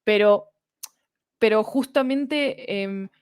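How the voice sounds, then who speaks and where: A woman with a Latin American Spanish accent explaining her work in an interview, animated and often checking that the listener follows. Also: mid-range voice, slow pace, clear, resonant tone, dry recording, clean studio sound. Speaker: podcast fiction producer, interviewed guest.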